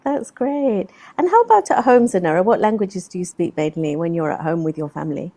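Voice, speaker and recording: A woman's voice: fairly low pitch, expressive, brisk, warm tone. A woman with a British accent hosting a casual video-call interview, encouraging her guest with frequent short responses. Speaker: host, English teacher.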